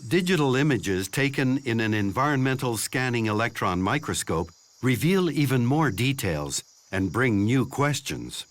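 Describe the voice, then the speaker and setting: A man delivering scripted nature documentary narration in a measured, explanatory way. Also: mid-range voice, animated.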